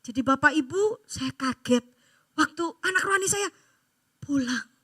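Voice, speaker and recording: A woman pastor, preaching a sermon in a church service with animated storytelling and emphatic exhortation. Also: high voice, moderate pace, no echo, clean studio sound.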